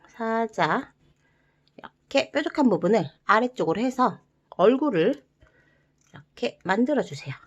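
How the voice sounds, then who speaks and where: A woman guiding viewers through a paper-folding craft step by step, gentle and encouraging, with playful sound words. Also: medium pitch, muffled recording. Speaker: origami instructor.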